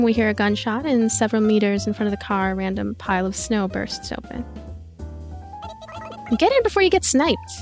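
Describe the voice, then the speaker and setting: High-voiced woman narrating a game over music. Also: a little mellow. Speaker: let's play narrator and commentator. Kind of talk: expressive narration of a visual novel with casual asides.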